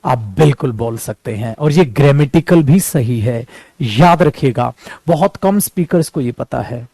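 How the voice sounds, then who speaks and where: A man with an Indian accent teaching a spoken English class, calling his students dear and son and drilling words by repetition, slowing right down for the English examples. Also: mid-range voice, animated, dark tone, husky, dry recording. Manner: slows to a careful crawl for English example sentences.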